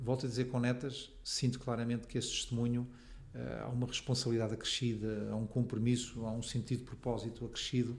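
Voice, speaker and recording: Very fast and somewhat breathy, a man speaks at a medium pitch in a monotone with flat intonation. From Portugal, Lisbon. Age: 50s. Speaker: guest interviewee. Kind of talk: casual interview. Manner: hesitant, many fillers.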